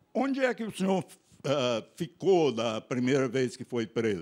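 Against a quiet background, a man talks at a very slow pace with very wide pitch swings. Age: 60s. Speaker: judge and truth committee coordinator; judge. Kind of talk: formal interview questioning. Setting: legislative assembly hearing. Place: meeting room. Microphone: handheld.

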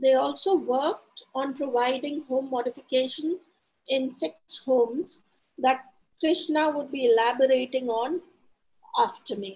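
Here a woman speaks in a high voice. Her pace is fairly slow, and her pitch varies in an ordinary way. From Delhi, India. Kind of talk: webinar presentation. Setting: video call webinar.

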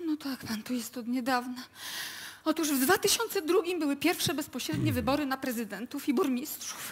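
A woman's high-pitched voice at a fairly quick pace, with lively intonation over light background noise. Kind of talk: radio drama dialogue.

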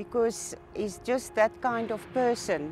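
Faint music plays behind a woman speaking at a fairly slow pace and medium pitch. Her pitch varies in an ordinary way, and the sound is dry with no echo. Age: 70s. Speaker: athletics coach. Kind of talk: interview answer. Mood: warm, proud. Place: stadium.

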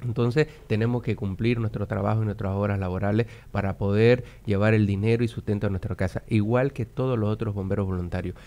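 Speaking at a very fast pace, a man has a fairly low pitch and a dark, mellow tone. His intonation stays fairly even. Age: 40s. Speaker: volunteer firefighter leader. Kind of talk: radio interview. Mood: earnest, serious. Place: studio. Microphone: studio mic.

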